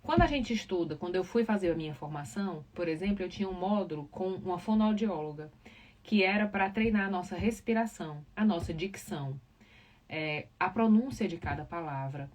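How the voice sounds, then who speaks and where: A woman from Ceará, with a Northeastern Brazilian accent, hosts a live podcast and works in communication. Her lowish, slightly mellow voice is expressive and a bit quick as she explains things casually and didactically to viewers, leaning on key words. The mic is distant, and background noise is clearly audible.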